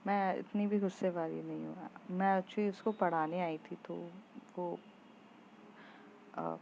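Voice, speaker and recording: A woman's voice: on the low side, steady tone, takes it slowly, gravelly, a little mellow, lo-fi sound, slight background noise. A woman voicing an earnest, reflective teenage schoolgirl who is top of her class. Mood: reassuring.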